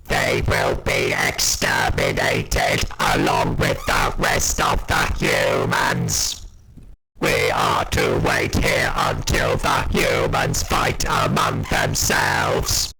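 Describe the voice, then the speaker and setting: A man's voice: mid-range voice, very slow, creaky, soft background music, exaggerated voice, rough recording. A man voicing a ruthless metallic alien war machine with a harsh, buzzing robotic voice, barking staccato commands in a sci-fi audio drama. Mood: menacing command. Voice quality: harsh, grating, electronic. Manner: staccato shouted chanting of commands. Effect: buzzing robotic ring modulation.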